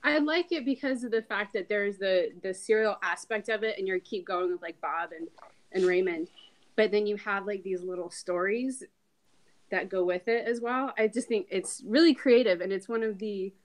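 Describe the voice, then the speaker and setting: A woman's voice: mid-range voice, moderate pace. A woman hosting a podcast in casual chat, with an effusive, informal way of talking. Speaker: podcast host.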